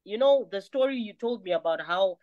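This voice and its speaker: Zimbabwean woman, mid-pitched, in interview. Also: animated, a little fast, a little mellow, highs cut off. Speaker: musician, interview guest. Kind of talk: conversational interview answers.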